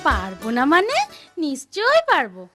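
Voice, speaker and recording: A woman voicing a fussy, excitable village housewife in an animated comedy, theatrical and coaxing. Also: high-pitched, moderate pace. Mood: coaxing, delighted. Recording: loud background music.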